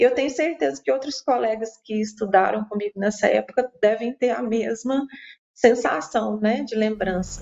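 An ordinary speaking voice: a woman at a fairly high pitch, lively intonation and moderate pace, against a quiet background. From Minas Gerais, Brazil (Piuí). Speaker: biologist. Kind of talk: radio interview. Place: home room. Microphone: video call.

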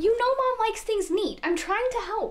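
Putting on a squeaky character voice at an extremely high pitch, a woman talks at a moderate pace with ordinary pitch variation. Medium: short film. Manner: tightly controlled, clipped.

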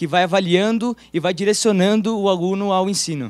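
A man with a high pitch, fairly even intonation and a moderate pace over a quiet background. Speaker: student representative; speaker. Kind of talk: presentation to visitors. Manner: hesitant, many fillers. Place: hall. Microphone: handheld.

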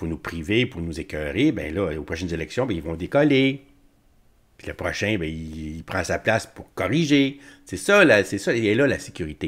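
With a Quebec accent, a man speaks at a moderate pace in a very deep, low voice whose pitch swings very widely, over a quiet background. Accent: Québécois French. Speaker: political commentator, online show host. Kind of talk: casual commentary with read-aloud passages. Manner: conversational, hesitant with fillers. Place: home room.

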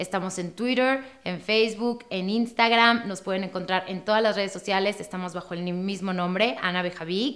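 Over a quiet background, a woman speaks at a moderate pace with fairly even intonation and hardly any pauses. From Mexico, Veracruz. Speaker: fashion brand creative director. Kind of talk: promotional interview. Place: studio.

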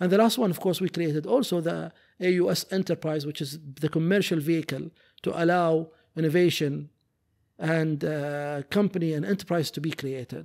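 At a moderate pace, a man talks with an Arabic accent. His pitch is fairly high and the background is quiet. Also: ordinary pitch variation. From UAE (Sharjah). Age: 50s. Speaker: technology park executive. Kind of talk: interview. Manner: repetitive stammering restarts. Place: studio. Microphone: studio mic.

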